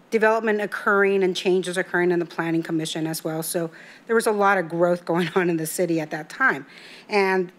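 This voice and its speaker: A middle-aged woman speaking as a city council member in a council chamber, pausing often with ums and restarting her sentences. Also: lowish voice. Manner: halting, many ums and restarts. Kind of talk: council meeting remarks. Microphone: desk microphone.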